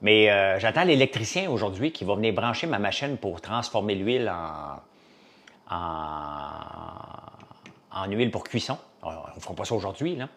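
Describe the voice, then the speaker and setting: A man with a Québécois French accent chats casually to a live audience in a lowish voice. He rambles and jumps between topics, leaning on fillers. He sounds like a farmer and business owner talking off the cuff. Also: expressive, normal speed, a bit bright, a little hiss or hum.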